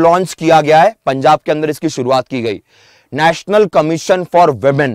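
A man speaks at a fairly slow pace. The sound is dry with no echo, and the background is quiet. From India. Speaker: online exam-prep teacher. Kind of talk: live online lecture.

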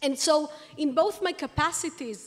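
A woman talks in an Israeli accent. Her pitch is high, and the background is quiet. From Israel, from a small town in Emek Bet She'an. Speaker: legal scholar giving an award acceptance speech. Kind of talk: formal speech. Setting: stage. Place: hall. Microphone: podium.

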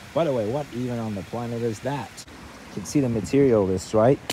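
A man's voice with ordinary pitch variation, dry sound with no echo and light background noise. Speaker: daily vlogger. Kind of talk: casual vlog chat. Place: street. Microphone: phone near.

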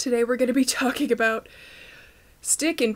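A woman's mumbling on a very clean recording with a silent background. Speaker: vlogger. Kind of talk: casual vlog talk to camera.

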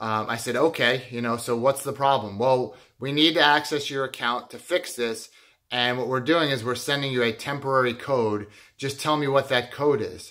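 A man's bright, sharp tone with fairly even intonation, a moderate pace and a quiet background. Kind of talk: casual vlog chat. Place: home room. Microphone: phone near.

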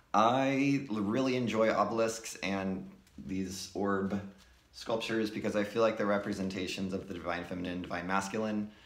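An American accent from a man, fairly low in pitch, at a moderate pace with ordinary pitch variation and audible room echo. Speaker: pagan video blogger; vlogger. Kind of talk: casual vlog show and tell; casual vlog chat. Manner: hesitant, many fillers. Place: home room.

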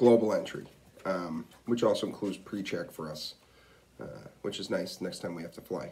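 A man with an American accent speaks at a moderate pace, with long, frequent pauses. His loudness swings widely. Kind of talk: casual vlog talk to camera.

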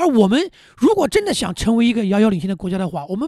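A man with a high voice and a dark, mellow tone swings his pitch very widely, recorded dry with no echo against a quiet background. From China, Nanjing; China. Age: 40s. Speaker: YouTuber social commentator. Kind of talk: video monologue commentary. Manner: repetitive, emphatic. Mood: earnest, persuasive. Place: home room. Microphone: studio mic.

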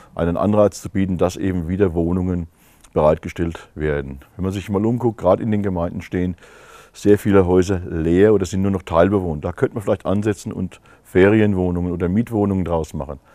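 A man's very deep, low voice, dark and mellow in tone, with fairly even intonation and a very fast pace, dry with no echo against a quiet background. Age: 50s. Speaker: mayoral candidate; candidate. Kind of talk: candidate interview. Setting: outdoors in a beer garden. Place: garden.

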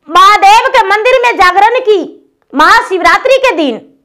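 A woman projects a raised voice with a bright, sharp tone and lively intonation. She goes at a fairly slow pace against a quiet background. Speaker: religious storyteller. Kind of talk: devotional story narration.

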